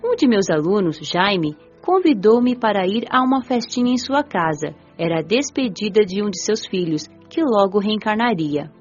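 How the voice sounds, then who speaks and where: A woman narrating an audiobook in the first person, telling the story gently. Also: mid-range voice, animated, normal speed, few pauses, highs cut off, soft background music.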